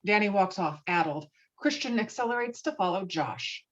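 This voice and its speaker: A woman's voice: medium pitch, animated, moderate pace, a bit bright. Woman narrating a script, slightly dull recording. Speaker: narrator reading stage directions.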